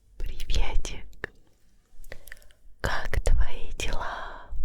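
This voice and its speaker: Here a woman is whispering. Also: long, frequent pauses. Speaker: ASMR artist. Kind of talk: ASMR sleep video, personal attention talk. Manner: whispered, soft.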